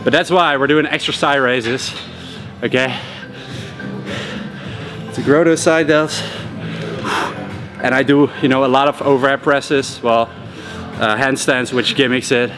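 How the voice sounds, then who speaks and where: A man talking casually while training in a gym, loose and relaxed, with lots of "like" and "you know", a little out of breath. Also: mid-range voice, unhurried, long pauses. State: slightly out of breath. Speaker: fitness vlogger. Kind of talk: casual talk to camera. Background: music.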